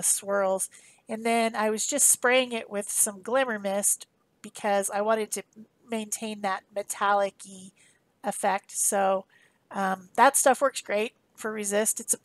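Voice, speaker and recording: Woman, craft tutorial host, casual voice-over, chatty and informal, medium pitch, dry recording. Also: no echo. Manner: chatty, informal, self-correcting explanations.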